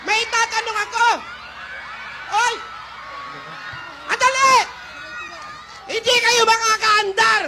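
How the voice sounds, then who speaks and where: Shrill, slow-talking melodramatic granny, male comic in the role, theatrical wailing. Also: big pitch swings, a crowd in the background, exaggerated voice. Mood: shrieking. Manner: wailing, scolding, theatrical cries. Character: melodramatic fussy old grandmother, jealous and complaining. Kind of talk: live comedy sketch.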